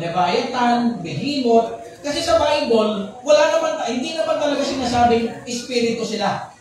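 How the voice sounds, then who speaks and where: A man preaches a lively sermon, joking and checking that his congregation follows him. His voice rings around a big, echoey hall and is picked up from some distance away. A steady background noise sits under the whole recording. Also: very high voice. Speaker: pastor.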